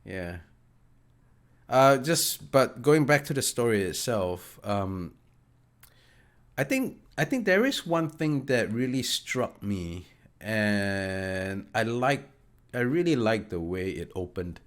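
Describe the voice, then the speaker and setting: A man's voice: fairly low pitch, very animated, slow pace. A man with a cold, sounding a little nasal, chatting enthusiastically about a story as a podcast co-host, with lots of fillers. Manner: enthusiastic, hesitant with many fillers. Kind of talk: casual book discussion.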